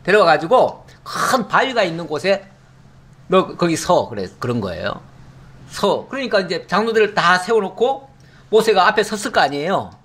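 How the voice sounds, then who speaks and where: A middle-aged man preaching a Bible lesson, his fairly high voice rising and falling in lively swings. He keeps it conversational, tossing out rhetorical questions and answering himself with a quick "yes". He sounds like a pastor explaining scripture to his congregation. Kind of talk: Bible teaching sermon.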